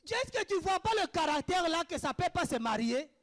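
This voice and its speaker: Fervent male preacher, very high voice, mixes shouts with quiet asides. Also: big pitch swings, fairly quick. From Africa. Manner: impassioned, swings between shouted declarations and hushed asides. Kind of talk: sermon answering questions.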